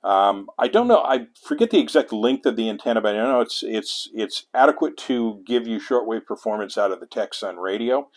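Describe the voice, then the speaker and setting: Low-pitched American man, casual demonstrator. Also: expressive, fairly quick, hardly any pauses. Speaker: host of an amateur radio tutorial series. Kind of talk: casual hands-on demonstration talk.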